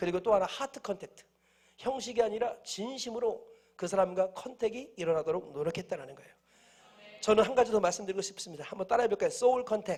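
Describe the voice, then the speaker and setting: This man talks at a very fast pace, his high pitch rising and falling in lively intonation. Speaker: guest pastor. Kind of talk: sermon. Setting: church service.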